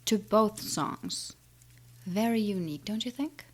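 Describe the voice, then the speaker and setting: A woman's voice: mid-range voice, unhurried. Woman playing a condescending, menacing ancient siren. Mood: intrigued, sly. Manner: taunting, condescending, theatrical drawl. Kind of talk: audio drama villain acting.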